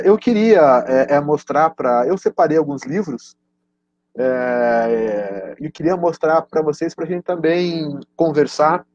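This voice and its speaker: A man's voice: on the high side, darkish tone, no room sound. A Brazilian man hosting a casual educational live stream, speaking hesitantly and often restarting his words. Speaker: host and teacher. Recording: dull, lo-fi online stream audio.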